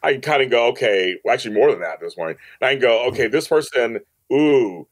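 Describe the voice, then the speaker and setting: An audio drama producer and director chats casually as a podcast guest, his mid-range voice expressive and fast. He's emphatic, repeating phrases often and performing the quotes he cites.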